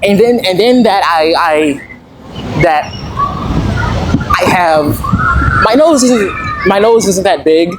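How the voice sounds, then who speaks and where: A man's voice: high voice, animated, slow, long pauses. A young adult man giving a casual, rambling audio diary, hesitantly repeating words and trailing off, with a dry, self-deprecating manner. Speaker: vlogger recording an audio log. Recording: very noisy audio with clicks.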